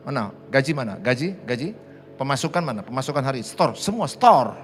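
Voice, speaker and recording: A man's voice: medium pitch, animated, fairly quick. A middle-aged man, preaching a sermon and having the congregation repeat lines after him. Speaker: pastor. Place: large church hall.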